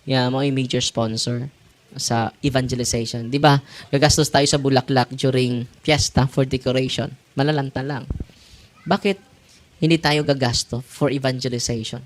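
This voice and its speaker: A man's voice: mid-range voice, steady tone, normal speed. A man preaching as a Catholic priest and exorcist, emphatic and often laughing. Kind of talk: sermon.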